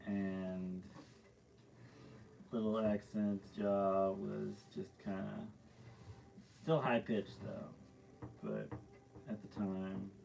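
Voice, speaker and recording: Gravelly low-voiced man chatting in a studio. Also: very slow, long pauses, darkish tone, slight background noise. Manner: rambling, loose storytelling with many fillers. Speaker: painter hosting a live stream. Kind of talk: casual chat while painting live. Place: art studio.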